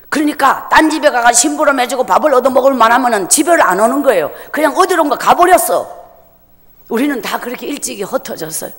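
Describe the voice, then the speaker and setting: A woman's voice: on the high side, a bit bright. A woman giving a personal testimony at a church service, telling her story vividly and emotionally. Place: church sanctuary. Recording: long church-hall reverb.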